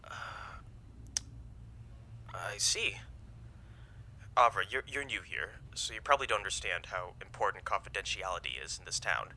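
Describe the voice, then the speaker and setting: A man playing a guarded, halting small-town police officer on the phone in an audio drama. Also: low-pitched, bright, forceful tone, slight background noise, exaggerated voice, rough recording. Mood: taken aback, guarded.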